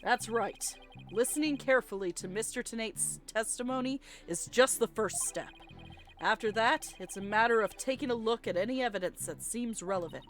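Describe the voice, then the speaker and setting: A woman's voice: fairly high pitch, moderate pace. A woman hosting a let's play, reading video game dialogue aloud and chatting casually. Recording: game music behind. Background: video game music.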